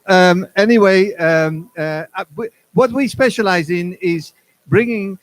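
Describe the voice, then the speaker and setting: A man's voice: high voice, a little slow, no room sound. A man with a Dutch accent introducing himself hesitantly as a jury member. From Netherlands. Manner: hesitant, many fillers.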